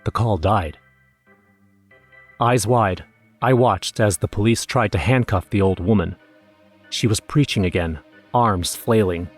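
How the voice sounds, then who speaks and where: Male narrator for horror audio drama: lowish voice, grim eyewitness account, dramatic, over music. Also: a little slow, pauses often, slightly rough. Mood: tense. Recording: music under the voice.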